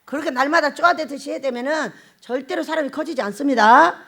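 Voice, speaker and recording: A middle-aged woman pastor preaching a sermon in an animated way, laughing often and putting questions to the congregation. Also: sits high, quick pace.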